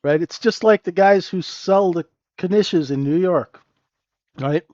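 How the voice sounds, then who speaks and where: A man's voice: high voice, a little slow, a little mellow, dry recording, highs cut off. A man hosting a live trading room, talking through the chart with a stuffy, nasal voice and sniffling, keeps asking "right?".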